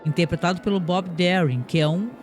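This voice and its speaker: Brief: male podcast host, high voice, chatty recap full of restarts, faint music under. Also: brisk. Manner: chatty, frequent tag questions and restarts. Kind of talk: casual plot recap.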